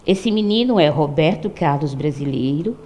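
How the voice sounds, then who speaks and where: Warm older woman telling a story. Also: low-pitched, lively intonation, normal speed. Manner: conversational, frequent tag questions. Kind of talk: oral storytelling to an audience.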